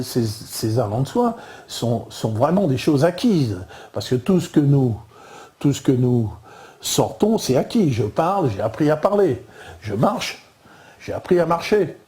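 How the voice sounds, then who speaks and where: Older Parisian man, informal lecturer walking through slides; halting delivery full of fillers and restarts, dark mellow tone. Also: mid-range voice. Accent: Parisian French. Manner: halting, many fillers and repeated words.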